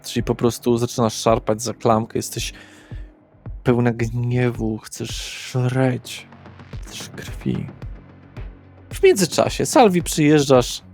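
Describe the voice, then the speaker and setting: A man as game master, narrating a horror roleplay in measured, short descriptive phrases. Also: mid-range voice, darkish tone, soft background music.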